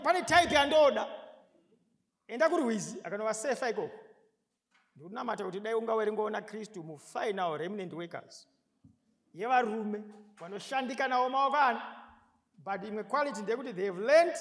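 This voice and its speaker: A Zimbabwean man in his thirties preaches to a seated congregation, his voice pitched very high as he swings up into emphatic shouts and questions the crowd. He speaks into a podium microphone, and his voice carries a long reverb from the large hall. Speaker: pastor. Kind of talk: sermon mixing Shona and English.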